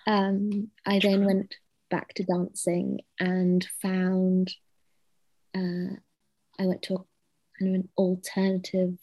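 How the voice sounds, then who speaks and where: A woman talks slowly as a podcast guest, pausing often with ums and hesitations. Her voice is mellow and warm. The sound is dry, with no room echo. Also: medium pitch, monotone. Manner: unhurried, hesitant, many ums. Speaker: guest artist. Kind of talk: casual interview chat. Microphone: video call.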